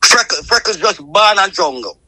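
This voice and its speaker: A man's voice: high-pitched, lively intonation, normal speed, sharp tone, dry recording. A man in his fifties with a Jamaican accent, talking casually as a guest in a phone interview. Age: 50s.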